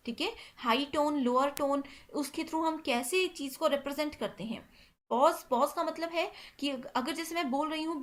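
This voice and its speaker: A woman with a high, fairly bright voice leads an exam-prep lesson, explaining exam questions in Hindi sprinkled with English terms. After each point she checks in with "theek hai".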